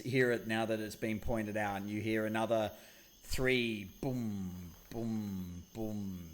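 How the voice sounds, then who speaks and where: A man narrating a tabletop game as game master, pausing often with ums and uhs. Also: medium pitch. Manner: hesitant, many ums and uhs.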